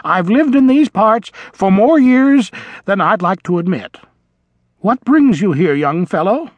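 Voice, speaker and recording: A man's voice: sits high, very animated, measured pace, dry recording, narrow, tinny audio, pitched above the performer's own voice, heavily acted. A man voicing an elderly, nearsighted male vole who is fussy, apologetic and old-fashioned in speech. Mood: wistful. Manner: flustered, polite, old-fashioned phrasing. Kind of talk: audiobook character voice.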